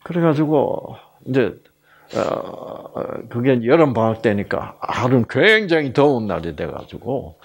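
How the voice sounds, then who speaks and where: A man's voice: mid-range voice, a little slow, gravelly, husky. A middle-aged man giving a health lecture, telling a personal story and acting out the voices in it. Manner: animated storytelling, acts out quoted voices.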